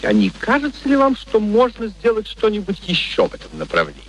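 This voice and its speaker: Older military gentleman, mild, courteous, fairly high lively voice, radio play, faint noise. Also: heavily acted, low-quality recording. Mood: courteous, earnest. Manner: courteous, measured. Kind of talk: theatrical radio play acting and narration.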